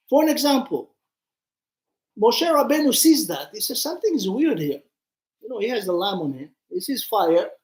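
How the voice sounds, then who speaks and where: A man's voice: sits high, creaky, darkish tone. Male rabbi, conversational storyteller giving an informal religious class, questioning listeners, recorded in an echoey room. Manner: conversational, acts out dialogue, puts questions to listeners. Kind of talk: informal Torah lesson with storytelling.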